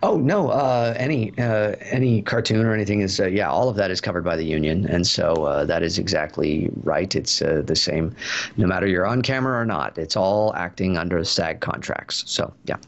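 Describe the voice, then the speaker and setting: Gravelly-voiced man, chatty guest. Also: low voice, normal speed, highs cut off. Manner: chatty storyteller, many fillers and restarts. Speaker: voice actor guest. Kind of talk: casual interview answers.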